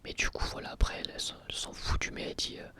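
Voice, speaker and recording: An ASMR creator whispering an episode review, hesitant and full of fillers and restarts. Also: rapid-fire. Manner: soft, breathy whisper throughout.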